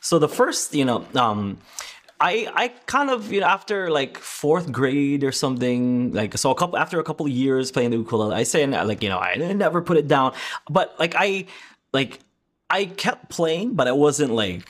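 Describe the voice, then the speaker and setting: A man's voice: medium pitch, sing-song, normal speed, fairly bright tone. Rambling man chatting on a podcast. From Philippines. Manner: rambling, many restarts and fillers. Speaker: podcast host. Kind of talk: casual podcast chat.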